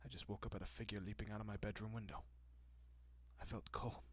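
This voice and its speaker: A man playing a gentle, courteous, possessive vampire in an intimate audio roleplay, speaking softly and often dropping to a whisper with hushed reassurance. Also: lowish voice, little pitch movement, fast talker, lightly acted. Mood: soothing, earnest. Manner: hushed, reassuring, politely old-fashioned.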